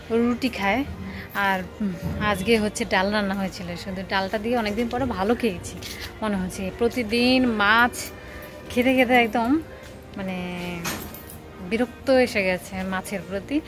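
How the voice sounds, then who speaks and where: A woman's voice: mid-range voice, fairly even intonation, moderate pace, long pauses. Young female vlogger, Bangladeshi Bengali accent, casual running commentary on chores, music bed under her. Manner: chatty, narrates her daily chores as she goes. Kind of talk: casual vlog narration.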